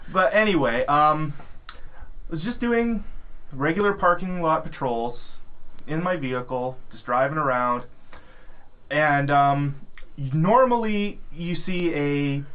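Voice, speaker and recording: A man's voice: a little high, animated, slow. A man in a casual podcast chat, telling a story from his security job. He rambles, full of ums and false starts, and his voice comes through thin and tinny, as if over a phone. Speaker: podcast co-host, security guard.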